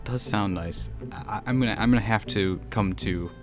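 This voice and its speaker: Jokey, lower-voiced podcast host. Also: male voice, moderate pace, over music. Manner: jokey, playful. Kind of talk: casual chat.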